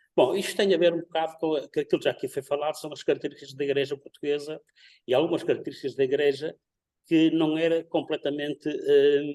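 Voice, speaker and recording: A man's fairly high, dark, mellow voice at a fairly quick pace, with fairly even intonation. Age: 60s. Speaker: social work school representative. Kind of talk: panel presentation. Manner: halting, many fillers.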